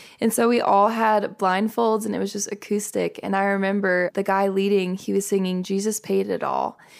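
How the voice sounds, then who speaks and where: A woman speaks in an animated tone at a medium pitch. Her pace is moderate. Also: very clean recording, silent background. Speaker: singer-songwriter. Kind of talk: casual interview chat. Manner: giggly, animated.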